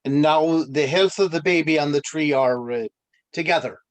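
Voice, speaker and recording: A man at a table read playing a kindly villager in his thirties who haltingly searches for words. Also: a little high, lightly acted. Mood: halting, helpful.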